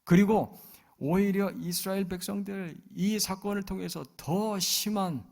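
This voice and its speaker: Gravelly-voiced pastor preaching. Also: male voice, sits high, steady tone, measured pace, a little mellow. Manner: asks the congregation questions. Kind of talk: sermon.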